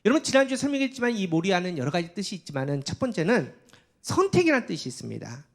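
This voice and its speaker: A man's voice: sits high, very animated, fast talker, creaky. A male pastor giving a sermon, often addressing the congregation and acting out prayers and divine speech with rising intensity.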